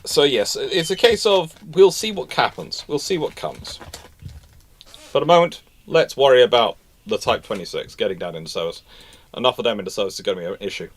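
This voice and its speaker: A man's voice: medium pitch, animated, a little fast. A man hosting a casual live question-and-answer show, talking emphatically and rephrasing his points for stress. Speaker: host of a naval history question show.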